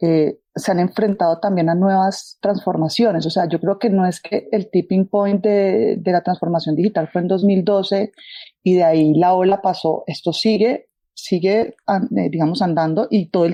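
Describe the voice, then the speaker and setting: A woman talks with a medium pitch, keeping to a moderate pace. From Colombia, Cali. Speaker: advertising executive. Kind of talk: interview.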